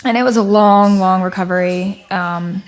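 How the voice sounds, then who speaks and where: A young adult woman singer, a guest chatting casually in a music studio, soft-spoken and hesitant with lots of fillers. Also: mid-range voice, steady tone, normal speed. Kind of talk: casual interview chat.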